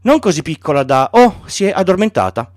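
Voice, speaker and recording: Storybook little prince, earnest boy asking innocent questions, a man putting him on, slightly high. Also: big pitch swings, fairly quick, no echo, studio quality. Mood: curious.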